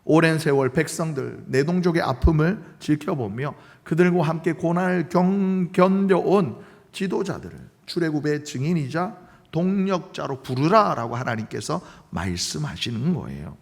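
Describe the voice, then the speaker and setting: A male pastor preaching a sermon in church, animated and often putting questions to the congregation. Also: on the high side, moderate pace, vocal fry. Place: church sanctuary. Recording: long reverb of a church sanctuary.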